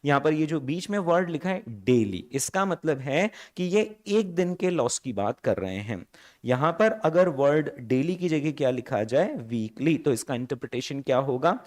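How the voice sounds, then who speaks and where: A man's voice: on the high side, expressive, a little mellow. A man with an Indian accent teaching finance in a revision lecture, mixing Hindi and English and asking his students questions as he goes. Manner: slows down to stress key phrases.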